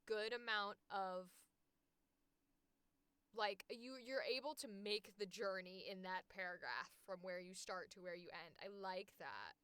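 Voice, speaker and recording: A woman hosting a voice acting livestream, chatting casually with animated, expressive reactions. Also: mid-range voice, a little slow, smooth, no room sound. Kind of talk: casual collaborative livestream chat.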